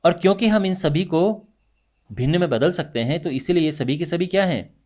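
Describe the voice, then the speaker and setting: A male math teacher giving a lively classroom lesson, talking through each point with frequent check-ins to his students. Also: on the high side, fairly quick. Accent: Hindi.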